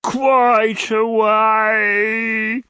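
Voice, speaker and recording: A man voicing an eccentric, lovesick old gentleman in a storybook reading, drawing out his flowery words in a swooping, theatrical way. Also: sits high, level tone, clear, resonant tone, no room sound, clean studio sound, voice pushed up, heavily acted. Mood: theatrically adoring. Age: over 60. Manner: drawn-out, swooping, flowery declamation.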